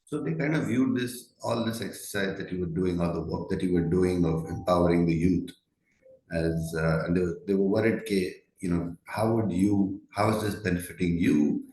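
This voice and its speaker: A deep-voiced man with an Indian accent interviews a guest conversationally. He is reflective and affirming, pausing as he forms his thoughts. The room around his voice is noticeably echoey. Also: a little mellow, slight background noise. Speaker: podcast host, interviewer.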